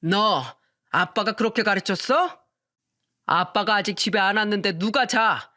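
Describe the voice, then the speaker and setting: A woman reading a radio story, voicing a drunk, domineering middle-aged husband who yells at his family. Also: on the high side, animated, moderate pace. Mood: drunk, bossy. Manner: slurred, domineering yelling.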